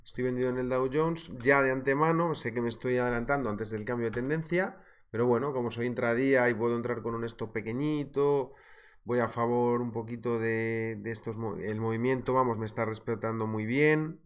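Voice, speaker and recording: A man's voice: mid-range voice, fairly quick, smooth. A man with a Spain Spanish accent who teaches trading in a live webinar, talking in a chatty, joking way and greeting viewers by name. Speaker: trading instructor. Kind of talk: live webinar, market analysis.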